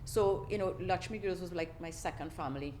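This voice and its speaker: A middle-aged woman from Trinidad and Tobago, appearing as a podcast guest, tells her story in a relaxed, chatty interview. Her voice is notably low and brisk, and she laughs often and restarts sentences. Faint background noise runs beneath her.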